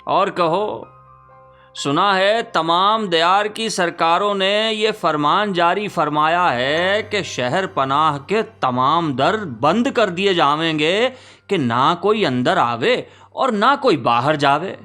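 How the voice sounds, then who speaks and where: A man's voice: a little high, lively intonation, bright, forceful tone, faint music behind. Man playing a wry, theatrical old-world Urdu poet. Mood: wry, bemused. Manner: archaic courtly diction, wry, theatrical. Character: Mirza Ghalib, witty lamenting 19th-century Urdu poet writing a letter. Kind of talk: dramatic letter reading.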